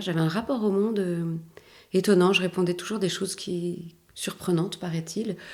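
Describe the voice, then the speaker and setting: Pitched in the medium range for a woman, her voice shows ordinary pitch variation. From southern France (Haute-Provence). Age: 50s. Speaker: author and filmmaker. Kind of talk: podcast interview, personal testimony. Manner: hesitant, many fillers; calm, gentle.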